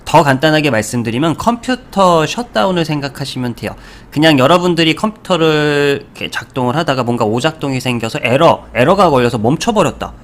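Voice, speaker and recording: A man hosts a stock market video in a relaxed, chatty way. He walks through charts as he talks, tosses out rhetorical questions and little puns, and fills his pauses with small hesitations. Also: a little high. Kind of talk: casual explanatory talk over charts.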